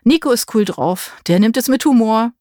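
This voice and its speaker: A woman's voice: a little high, lively intonation, moderate pace, darkish tone, dry recording, clean studio sound, voice pushed up, lightly acted. A woman voicing a cheerful young man, the playful boyfriend in a romance audiobook, teasing and upbeat.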